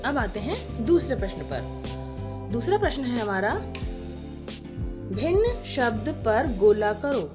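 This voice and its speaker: Woman teacher, high voice, slow and patient, spells words letter by letter, music behind. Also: big pitch swings. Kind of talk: primary school Hindi lesson.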